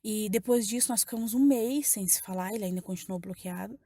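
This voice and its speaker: A woman's voice: mid-range voice, a little fast, warm tone, no room sound, clean studio sound. A woman with a Brazilian accent giving an emotional personal testimony to a church congregation, repeating phrases as she tells her story. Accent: Brazilian Portuguese.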